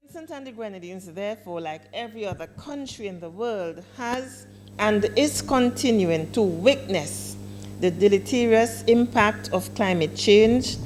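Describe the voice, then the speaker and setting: A woman official giving a formal public address at a launch event, speaking deliberately with emphatic stresses. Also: mid-range voice, darkish tone, a little hiss or hum, low-quality recording. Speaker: government director speaking at a launch.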